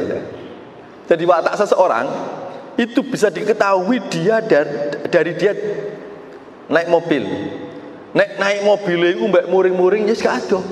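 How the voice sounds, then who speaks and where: Man preaching, high voice, joking, acts out quotes, roomy echo. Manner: joking, mixes in Javanese phrases, acts out quoted people. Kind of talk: casual sermon. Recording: echoey hall, faint background noise.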